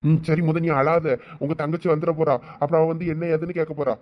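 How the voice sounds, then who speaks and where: A man's voice: fairly high pitch, level tone, fast, natural voice. A man voicing a hurt, firm young boyfriend. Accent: Thoothukudi Tamil. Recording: dull lo-fi sound.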